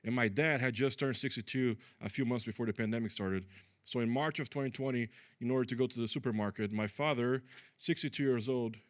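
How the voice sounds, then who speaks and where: On a comedy club stage, a Brazilian-born stand-up comedian whose first language is Portuguese delivers a dry set. His medium-pitched voice moves fairly quickly with no echo, and he lands crude punchlines deadpan amid frequent fillers.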